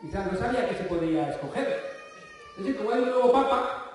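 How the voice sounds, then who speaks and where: High-pitched Spanish man speaking at a rally. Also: expressive, fast. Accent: Spain. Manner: sarcastic, joke-telling, addresses crowd directly. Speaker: political speaker. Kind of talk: rally speech. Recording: echoey hall, distant mic, faint crowd.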